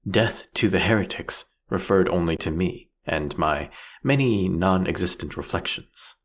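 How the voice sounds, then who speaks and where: A man playing a proudly ruthless, philosophical vampire king in a fantasy audio roleplay, speaking eloquently and mockingly in a drawn-out, theatrical way. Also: sits low. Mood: defiant, mocking.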